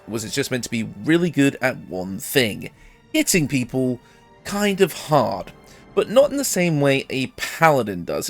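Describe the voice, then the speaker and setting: Animated man narrating a game guide, slightly under the weather. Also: mid-range voice. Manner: informal, conversational, explanatory. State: ill, voice recovering after losing it. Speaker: gaming video creator presenting a character build guide. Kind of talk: casual game guide commentary.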